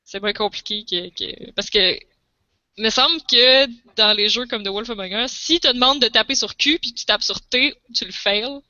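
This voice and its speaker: A woman with a Quebec French accent chats fast and lively, her voice very bright and sharp. The sound is dry and a bit muffled. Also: fairly high pitch, dry recording. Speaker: podcast co-host. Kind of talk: casual chat.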